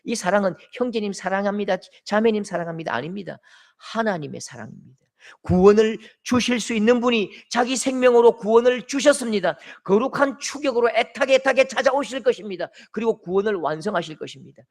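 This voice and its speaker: High-voiced Gyeongsang pastor preaching dramatically. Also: male voice, expressive, fairly quick, gravelly. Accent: Gyeongsang Korean. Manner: dramatic, acts out quoted voices with big swings from shouts to soft tender tones. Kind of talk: sermon.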